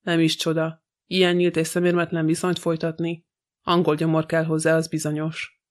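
A man's voice: fairly high pitch, monotone, natural voice. A man reading an audiobook, voicing a sly, gossipy old female housekeeper who talks with scorn. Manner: grumbling, scornful.

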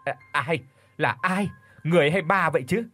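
A man's voice: fairly high pitch, moderate pace, fairly bright tone, soft background music, pitched above the performer's own voice. A man voicing a greedy, cowardly village shaman who stammers and blusters. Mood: frightened.

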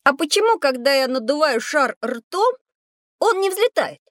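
Excitable schoolboy, high voice, quick to exclaim, children's audio story. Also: female voice, dry recording, clean studio sound, heavily acted. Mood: eager. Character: eager schoolboy Petya, excitable. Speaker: child character in an audio encyclopedia. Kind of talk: scripted children's audio drama.

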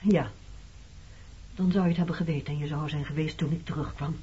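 Radio drama role: wounded former lover, very breathy and husky, accusing, on a dull old recording. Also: female voice, low voice, fairly even intonation, fast talker, mellow. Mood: guarded. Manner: hurt, accusing. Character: wounded, resentful woman confronting her former lover. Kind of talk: Dutch radio play acting.

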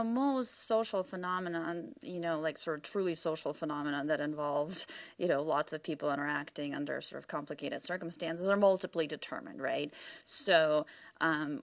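A woman's voice: deep voice, no echo. A woman researcher giving conversational, explanatory interview answers, informal and peppered with "you know" and "right".

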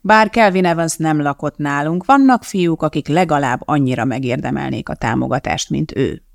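Castingnote: a reader playing a sly older bishop, smooth and sarcastic, gravelly audiobook voice. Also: male voice, fairly high pitch, dry recording, clean studio sound.

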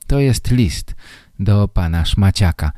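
A man voicing a calm, helpful male village teacher in a slow read-aloud story for learners. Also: low voice, no room sound, clean studio sound. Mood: reassuring.

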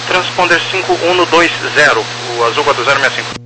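A man's voice: on the high side, a little fast. Brazilian male radio operator, helmet-radio sound, heavy static and hum, formulaic air traffic exchanges. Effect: aircraft radio, like a helmet radio. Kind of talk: clipped aviation radio phraseology. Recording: very noisy humming aircraft radio channel.

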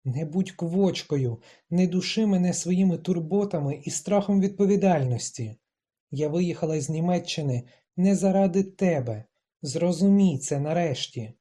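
A stubborn, proud young woman from a read-aloud novel, given voice by the narrator, flinging out clipped, emphatic lines. The tone stays very dark and mellow, with a husky, breathy grain. She sounds set on her own way. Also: medium pitch, moderate pace, natural voice. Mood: angry. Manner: clipped, emphatic, rising to shouts.

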